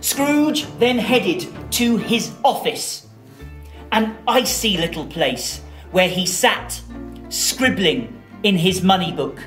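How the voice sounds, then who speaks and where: A woman telling a story to children in a theatrical way, with dramatic, deliberate phrasing. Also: mid-range voice, animated, a bit bright, soft background music.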